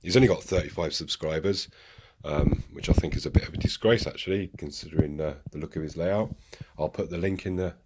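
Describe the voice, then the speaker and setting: A man with a rumbling low voice talks a little fast about his model railway's progress, and the recording is very noisy. He's in his hobby room using a camera mic, chatting along, making jokes about himself and going off on asides.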